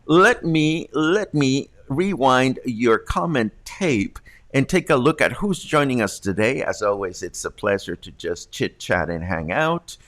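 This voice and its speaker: A man's voice: medium pitch, animated, measured pace, a bit bright. Congested man hosting a chatty news stream. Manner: chatty, reads viewer comments aloud. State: congested from allergies. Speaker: host of a local news livestream. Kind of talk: casual news reading and viewer chat. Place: home room with studio mic. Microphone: large studio condenser mic.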